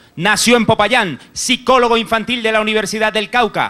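Raised and projected, a voice with a bright, sharp tone moves at a moderate pace. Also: man. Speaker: TV show host. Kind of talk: host introduction of a guest. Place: stage. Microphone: handheld.

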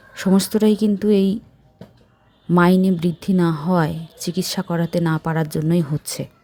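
Music in the background behind a woman's fairly low pitch, fairly even intonation and very even loudness. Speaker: para teacher and YouTuber. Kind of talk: news commentary vlog.

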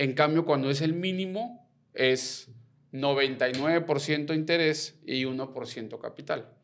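Very slow speech from a man, pitched fairly high, with ordinary pitch variation. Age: 40s. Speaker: financial mentor and network marketer; podcast guest. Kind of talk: interview conversation. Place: studio. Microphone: studio mic.

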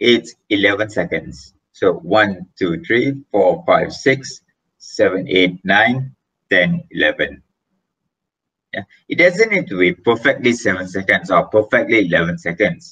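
A man's bright, sharp voice at a very slow pace, with very wide pitch swings. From Malaysia. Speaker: motivational speaker and trainer; webinar speaker. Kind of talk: webinar talk. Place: home room. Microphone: webcam.

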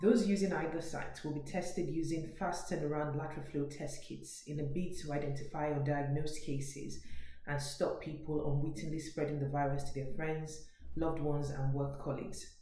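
A woman's very deep, low voice at a moderate pace with fairly even intonation, audible room echo and light background noise. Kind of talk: public information statement. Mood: calm and earnest. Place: home room. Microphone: webcam.

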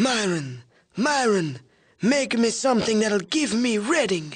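A man's wheezy, put-on character voice, high in pitch, with very wide pitch swings. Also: fairly slow pace. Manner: demanding, urgent.

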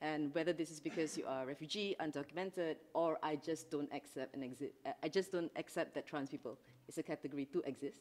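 A woman with a Malaysian accent talks at a very fast pace in a very deep, low pitch. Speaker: panelist. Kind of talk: panel discussion. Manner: animated. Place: meeting room. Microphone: podium.

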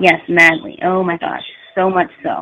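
At a middle pitch and moderate pace, someone uses a put-on, raspy character voice. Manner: heartfelt.

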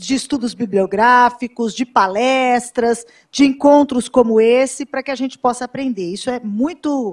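Against a quiet background, a woman with a high voice talks at a fairly slow pace with ordinary pitch variation. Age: 50s. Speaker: education consultant; panelist. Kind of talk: lecture. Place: hall. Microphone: handheld.

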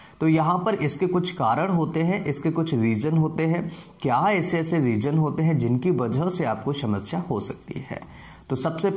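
The man's delivery is fairly slow, and his intonation is lively. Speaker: health educator. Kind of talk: explainer talk to camera. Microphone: lapel.

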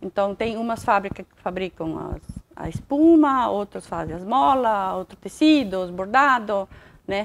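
A woman talks at a fairly slow pace with lively intonation. Her loudness rises and falls in big swings. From western Santa Catarina, Brazil. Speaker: shop owner. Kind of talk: interview. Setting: in a store. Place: shop. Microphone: lapel.

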